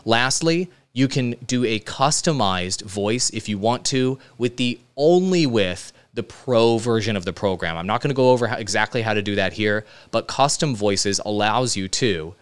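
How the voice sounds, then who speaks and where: Man, thirties, resonant lowish voice, casual tutorial host, instructive, emphatic. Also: lively intonation, moderate pace, hardly any pauses, clear, resonant tone. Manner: instructive, emphatic, checks in with listeners. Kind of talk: casual step-by-step screen tutorial. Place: indoor studio with computer.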